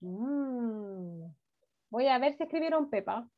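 Slow, coaxing teacher on a video call. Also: female voice, a little high, animated. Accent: Chilean Spanish. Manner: slow, syllable-by-syllable dictation, coaxing children. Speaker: primary school teacher. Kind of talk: online class for first graders. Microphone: laptop mic on a video call. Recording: dull lo-fi video call audio.

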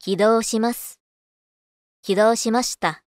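A woman voice actor reading scripted narration and announcements in a clearly enunciated, rehearsed delivery. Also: a little high, steady tone, takes it slowly, no echo, studio quality.

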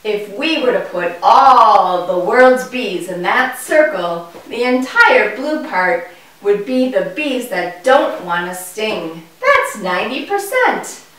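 A woman voicing a naive, curious puppet boy in a children's educational show, with exaggerated wonder and drawn-out questions. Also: mid-range voice, very animated, a bit bright. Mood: explaining, interested. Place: indoor puppet stage in a room. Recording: echoey room, distant microphone.

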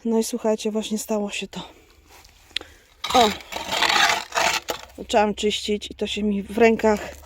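A woman's voice: mid-range voice, little pitch movement, measured pace, long pauses, very noisy. A woman vlogging outdoors on her farm, chatting to her goats and to her viewers. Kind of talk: casual vlog chat.

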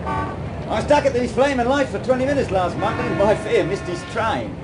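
An actor playing a chatty, grumbling motorist in a radio drama, with a British accent. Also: male voice, very high voice, lively intonation, brisk, loud music behind the voice, poor audio. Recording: loud street traffic noise.

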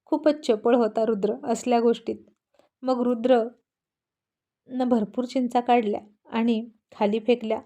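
A woman storyteller reading a serialized family story in an expressive, lively way. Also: fairly high pitch, unhurried, pauses often.

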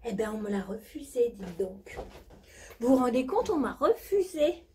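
A woman voicing a posh, rich female jet-setter who talks in a high, breathless, gushing way. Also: very animated, moderate pace, background noise.

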